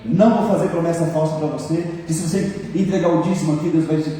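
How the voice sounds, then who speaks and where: A male pastor preaching fervently and pausing often to draw amens from the congregation. His voice is high yet mellow. It booms through a large church hall, picked up from a distance with faint background ambience. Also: fairly even intonation. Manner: fervent, keeps calling for amens. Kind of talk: sermon. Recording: echoey church hall from far off.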